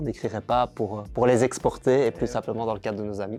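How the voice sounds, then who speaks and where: With music in the background, a man of medium pitch talks at a fairly quick pace with ordinary pitch variation. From Liège, Belgium. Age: 20s. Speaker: comedian and singer. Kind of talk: interview answer.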